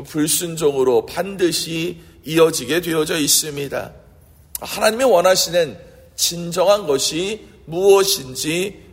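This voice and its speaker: Man, pastor, sermon, high voice, husky, earnest and fervent, long hall echo. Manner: earnest, rising in fervor, rhetorical questions.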